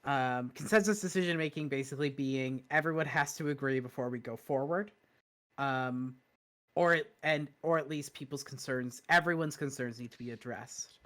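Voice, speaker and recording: A woman's voice: a bass voice, normal speed, a bit bright. A woman co-hosting a stream, thinking aloud in casual chat about a book she has been reading. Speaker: streamer and co-host.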